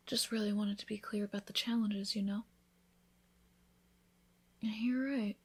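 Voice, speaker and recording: Breathy, tender vampire wife voiced by a woman. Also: mid-range voice, steady tone, a little slow. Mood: gentle, reassuring. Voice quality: soft, breathy, often whispered. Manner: intimate, reassuring, affectionate. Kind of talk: ASMR romantic roleplay.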